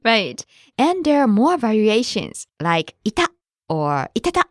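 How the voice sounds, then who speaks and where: A woman co-hosting a language lesson, modeling phrases clearly and adding short explanations. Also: on the high side, very animated, a little slow, dry recording, clean studio sound. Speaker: native-speaker co-host of a language lesson. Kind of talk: scripted lesson dialogue.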